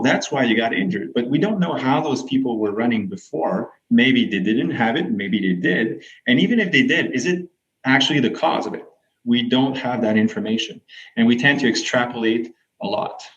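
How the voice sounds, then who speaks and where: A man's voice: mid-range voice, a bit bright. A man, a physiotherapist and researcher, explaining his ideas fluently and evenly as a guest in a podcast interview. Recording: dull lo-fi audio.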